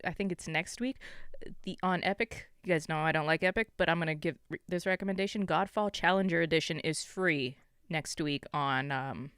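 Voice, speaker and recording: Low, smooth-voiced woman podcaster. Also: a little fast, a bit bright, no echo, studio quality. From Canada. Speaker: podcast co-host. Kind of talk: casual gaming podcast chat.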